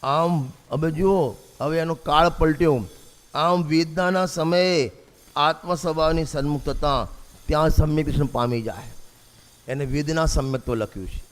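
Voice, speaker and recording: Male preacher, sermon delivery, rhetorical and repetitive, slightly high voice, long hall reverb. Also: measured pace. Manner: repeats a refrain, poses rhetorical questions to listeners.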